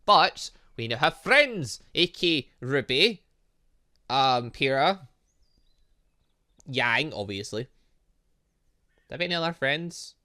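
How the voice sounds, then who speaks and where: Speaking in a mid-range voice, slowly and with long pauses, this gaming channel host plays through a visual novel casually. He reads the text aloud, reacting animatedly and exclaiming along the way.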